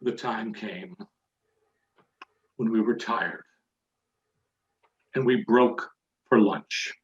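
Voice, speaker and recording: A man telling a mock-serious tall tale as a theatrical storytelling speech, with dramatic pauses and deliberate phrasing. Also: lowish voice. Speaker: Toastmasters contest speaker telling a tall tale. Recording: echoey room, dull muffled audio.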